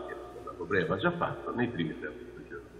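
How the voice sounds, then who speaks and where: A man's voice with audible room echo. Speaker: archaeologist; lecturer. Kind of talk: lecture. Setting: video call. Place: hall. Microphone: camera far.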